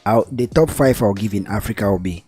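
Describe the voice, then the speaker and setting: A man's voice: on the low side, a little fast, dark tone, faint music behind. A man in a casual podcast debate, arguing his points emphatically. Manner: argumentative, emphatic. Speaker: podcast panelist.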